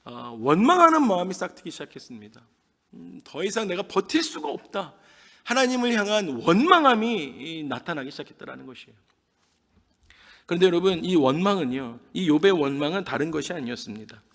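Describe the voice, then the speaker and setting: A man's voice: high-pitched, very animated, fairly quick, vocal fry, fairly bright tone. A man preaching a sermon as pastor, delivering it dramatically and acting out the words of the people in his story with emphasis. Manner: dramatic, emphatic preaching that acts out quoted speech. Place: church sanctuary. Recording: long reverb of a large hall.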